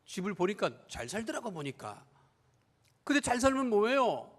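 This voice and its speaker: A man's voice: high voice, big pitch swings, moderate pace, long reverb tail. A man preaching a sermon as pastor, telling a story and acting out the voices of the people in it. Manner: storytelling, acts out quoted family members. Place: church sanctuary.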